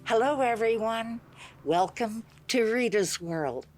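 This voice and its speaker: A woman's voice: a little high, animated, takes it slowly, darkish tone, faint music behind. An older woman hosting a small community show, chatty, upbeat and effusive. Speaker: host.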